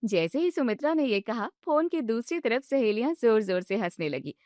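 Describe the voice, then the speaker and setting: A woman narrating a storybook with even storytelling. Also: a little high, normal speed, dry recording, clean studio sound.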